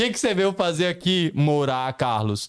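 A man talks at a moderate pace, his fairly high pitch making very wide swings. The recording is very clean, with a silent background. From Minas Gerais, Brazil; Brazil, living in London. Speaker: podcast host. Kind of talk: casual chat.

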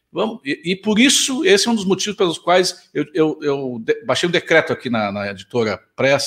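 A man speaks with very wide pitch swings. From southern Brazil, Rio Grande do Sul (Pelotas). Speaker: radio host and journalist. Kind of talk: casual interview chat. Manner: halting, with frequent repetitions.

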